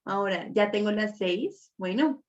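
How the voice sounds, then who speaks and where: A woman's voice: medium pitch, animated, unhurried, a little mellow. A woman teaching an online reading class, explaining step by step and checking understanding with little question tags. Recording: dull lo-fi audio.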